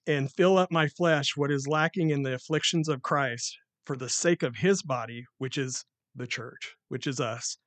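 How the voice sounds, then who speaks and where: A man preaching to a small congregation on a microphone, loud and excited, reading scripture with rising force. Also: medium pitch, moderate pace, hardly any pauses, no echo. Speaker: lay preacher. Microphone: handheld or stand mic.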